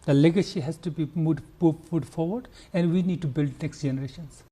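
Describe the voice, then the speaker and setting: With a Nepali accent and a slightly high, mellow voice touched by breathiness, an older conservationist earnestly responds to an interviewer. He stumbles along, restarting phrases and leaning on fillers.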